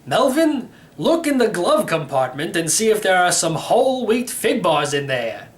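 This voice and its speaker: A man doing an eccentric old uncle, pitched up high. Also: big pitch swings, moderate pace. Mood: breezy, hungry. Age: older. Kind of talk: storybook character voice.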